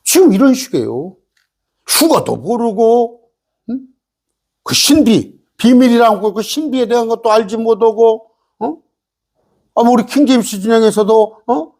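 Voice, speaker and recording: Animated, husky-voiced male pastor preaching. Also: very high-pitched, measured pace, long pauses. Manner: emphatic, rhetorical questions with frequent "eh?" asides. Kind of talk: sermon.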